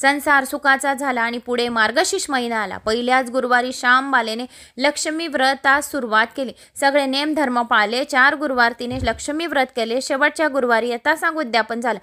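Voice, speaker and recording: High-voiced woman telling a devotional tale. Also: brisk. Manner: steady, recited storytelling. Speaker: storyteller. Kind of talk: devotional story narration.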